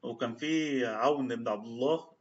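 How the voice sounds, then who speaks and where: At an even, moderate pace and medium pitch, an Egyptian Arabic-accented man shares anecdotes from the past in a storytelling religious talk, quoting passages in formal classical Arabic. The sound is slightly dull and lo-fi.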